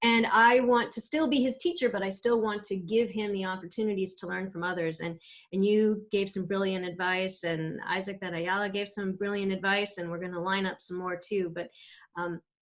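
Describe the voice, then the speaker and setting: The speaker has an American accent. It is a normal speaking voice. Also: woman, medium pitch for a woman, fairly even intonation, moderate pace. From US Northeast. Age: 50s. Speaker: soprano and teacher. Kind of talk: interview.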